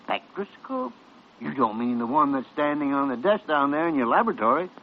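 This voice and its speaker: An actor playing a gruff, bossy senior hospital doctor who barks orders and teases, in an old radio drama. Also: male voice, medium pitch, sing-song, brisk, slight background noise. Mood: dry. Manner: barking, teasing, growly. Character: gruff bossy older male chief doctor. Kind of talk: 1950s radio drama acting. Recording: dull lo-fi old radio recording.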